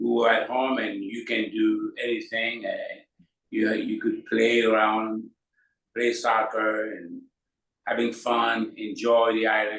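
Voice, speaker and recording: A man speaks at a very slow pace. He has a Haitian accent. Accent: Haitian Creole. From Haiti, Croix-des-Bouquets. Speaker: pastor and evangelist. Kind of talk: interview.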